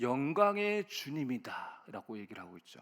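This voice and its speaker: A man talks at a fairly slow pace, his pitch swinging very widely. The recording is very clean, with a silent background. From South Korea, Sangju, North Gyeongsang. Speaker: pastor. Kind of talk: sermon.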